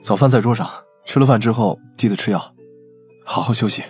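A man voicing an awkward, gently concerned man in love in an audiobook, speaking hesitantly. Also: mid-range voice, fairly quick, soft background music, close to an everyday voice. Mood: tender, hesitant. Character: awkward, tender, lovelorn man, a company president.

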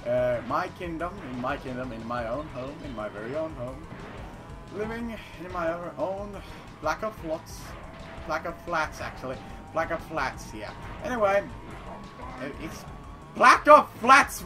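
This let's play commentator is a man who isn't a native English speaker, and his voice sits fairly high. He talks through his game in a loose, joking way, often repeating himself and suddenly shouting out proclamations.

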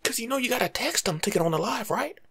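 Young adult American male, husky half-whispered ASMR monologue, lively swings in pitch, casual street-slang delivery. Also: fast talker. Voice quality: breathy, often dropping to a whisper. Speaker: ASMR video creator. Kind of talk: ASMR role-play monologue, casual life-coach advice. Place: small room at home, indoors.

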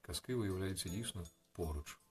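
A man reading a bedtime story on the radio in a calm, soft, reflective manner. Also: deep voice, normal speed. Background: faint music.

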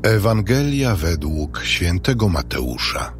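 A man's voice: low voice, sing-song, slow pace, faint music behind. A man announcing and narrating scripture readings for a scripted audio drama.

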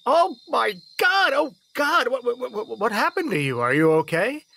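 A man's voice: extremely high pitch, sing-song, normal speed, gravelly, sharp tone, breathy edge, full character voice. An actor playing a protective, exasperated middle-aged father in an audio drama, stammering and repeating himself. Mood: alarmed, exasperated. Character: flustered, protective, exasperated father of a teenage girl. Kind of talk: naturalistic audio drama acting.

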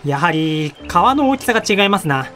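A man's voice: sits high, big pitch swings, moderate pace, sharp tone, soft background music, exaggerated voice. A man playing a courteous young samurai lord in a period voice drama, with polite, formal, archaic speech. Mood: courteous, respectful. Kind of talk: Japanese period voice drama acting.

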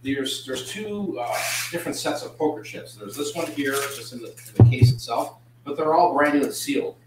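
A man co-hosting a live auction, describing items in a relaxed, halting way. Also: fairly high pitch, very noisy. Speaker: auction co-host. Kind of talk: casual item description. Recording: echoey room, off mic.

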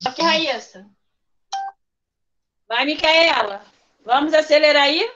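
High-voiced woman coaxing young pupils. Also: slow pace, fairly bright tone. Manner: coaxing, prompting pupils by name. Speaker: first-grade teacher. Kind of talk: online class with young children. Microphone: video call. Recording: dull lo-fi video call audio.

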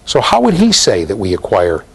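Lively middle-aged male lecturer. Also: lowish voice, normal speed, creaky, breathy edge, poor audio. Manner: questioning students, lively, gestures while talking. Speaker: university lecturer. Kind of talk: interactive classroom lecture. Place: office with bookshelves, linked to a classroom.

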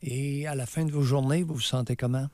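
An older radio host with a Quebec French accent puts blunt, curt questions to callers. His voice sits at a middle pitch and is recorded close and dry on a studio mic. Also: fairly even intonation, fairly quick, warm tone, dry recording. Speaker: co-host, advice-giving talk show doctor. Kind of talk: radio talk show.

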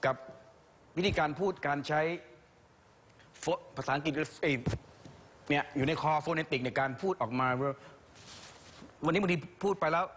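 A man with a fairly high voice gives casual, teasing feedback to young singers as their vocal coach. He keeps breaking into playful imitations of how they sing. His voice rings out in a big reverberant hall on a dull, muffled recording. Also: moderate pace, long pauses, fairly bright tone, a little hiss or hum. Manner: chatty, teasing, mimics singers mid-talk. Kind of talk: casual critique talk.

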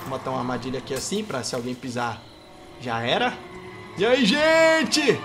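A man with a Brazilian Portuguese accent commenting on his gameplay, playful and trash-talking, bursting into excited shouts. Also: mid-range voice. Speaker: gameplay youtuber.

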